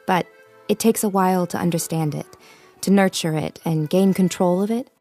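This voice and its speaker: An actress playing a playful, confident young psychic tarot reader in an audio comedy, with an American accent and a teasing, dryly amused manner. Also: female voice, lowish voice, normal speed, warm tone, soft background music. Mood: assured. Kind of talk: audio drama comedy acting, conversational.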